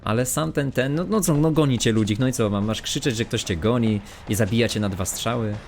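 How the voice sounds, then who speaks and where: A man's voice: mid-range voice, a little fast, gravelly. A man commentating live on a horror game he is playing, muttering and swearing to himself and his viewers. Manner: muttering, swearing, self-talk. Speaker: streamer. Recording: noisy game stream audio.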